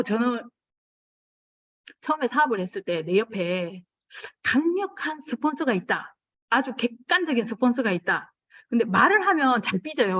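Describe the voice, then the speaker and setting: A middle-aged woman giving a lively motivational business talk, acting out little scenes of dialogue with sudden jumps in pitch. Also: no echo, dull audio.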